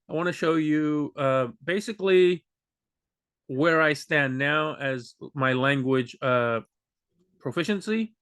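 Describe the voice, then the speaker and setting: A man's voice: on the high side, a bit bright, clear, resonant tone, no echo. Rambling man, dry close sound. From Peru. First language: Spanish. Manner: rambling, self-deprecating, many fillers and restarts. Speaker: language vlogger. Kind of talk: unscripted rambling talk to camera.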